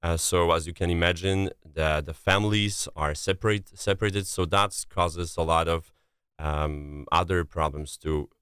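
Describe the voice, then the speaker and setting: A native Polish man speaks English with a thick Polish accent in an interview. His voice is very low and smooth, and he halts often to find the right word. The sound is dry and close. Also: fairly even intonation, fairly bright tone, no echo. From Poland. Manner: halting, searching for words. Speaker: interview guest, relief coordinator. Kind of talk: interview answers.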